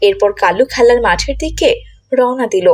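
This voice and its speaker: A woman's voice: fairly high pitch, lively intonation, normal speed, a little mellow, husky. A woman giving scripted narration for a cartoon story.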